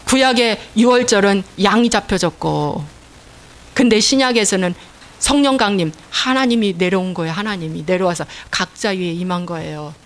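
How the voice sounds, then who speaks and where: A woman's voice: medium pitch, normal speed. A middle-aged woman pastor preaching a sermon, repeating key phrases and asking her congregation questions that she answers herself.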